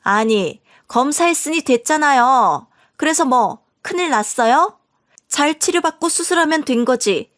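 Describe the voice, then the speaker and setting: A woman reading a scripted story, voicing a brazen, rude young sister-in-law in a shrill, dismissive manner. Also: lively intonation, unhurried, fairly bright tone.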